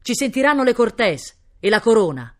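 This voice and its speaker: A woman's voice: on the high side, very animated, a little fast, voice pushed up. Woman as a fiery, declaiming Spanish count. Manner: declamatory, exclaiming. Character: zealous exiled Spanish count, fiery and vengeful.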